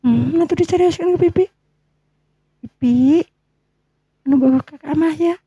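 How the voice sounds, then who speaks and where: A woman's voice: high-pitched, moderate pace, mellow, no echo. A woman playing a coy, pouting young woman in love, teasing and insistent, with a Sundanese accent, in an audio story. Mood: bashful, insistent. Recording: muffled, lo-fi recording.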